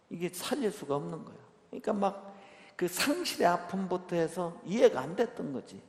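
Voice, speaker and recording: A male priest tells a moving story to his retreat audience, dropping to near-whispers and then rising to loud, emotional peaks. His pitch moves widely and his voice has a gravelly roughness. The sound is roomy, with a long reverb from a large hall. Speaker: Catholic priest. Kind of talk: retreat catechism lecture with storytelling.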